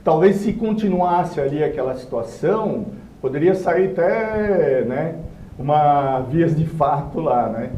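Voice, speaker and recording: A man telling a story in a lively, casual way and acting out the people in it. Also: a little high, measured pace, slight background noise. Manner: animated, acts out quoted voices. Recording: roomy, dull sound.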